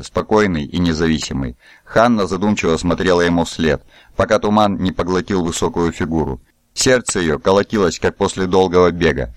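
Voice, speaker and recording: Deep-voiced male audiobook narrator. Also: dry recording. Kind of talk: scripted narration.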